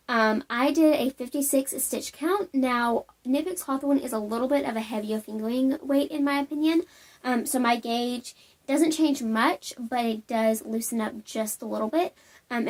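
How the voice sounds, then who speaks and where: A young woman hosting a knitting podcast, chatting casually and bubbly to camera from home, with lots of "um"s and tangents. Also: a little high.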